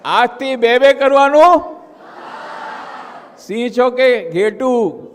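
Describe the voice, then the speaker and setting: A man, a monk, giving a lively storytelling talk to young people, quizzing the audience and repeating his key lines, in a large convention hall. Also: very high voice, slow pace, a faint crowd, a little hiss or hum. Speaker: monk and spiritual speaker.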